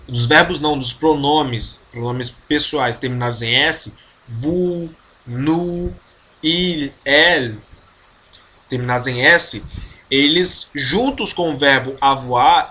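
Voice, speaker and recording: Slow, bright-voiced male teacher. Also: fairly high pitch. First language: Portuguese. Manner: slow, patient explaining with frequent check-ins. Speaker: French teacher. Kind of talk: online language lesson.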